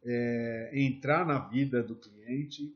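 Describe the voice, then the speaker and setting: Brazilian guy giving a sales lesson, mid-pitched, explains stuff with examples, kinda muffled lo-fi sound. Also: steady tone, slow pace. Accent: Brazilian Portuguese. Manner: instructive, addresses viewers directly with examples. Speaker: sales trainer.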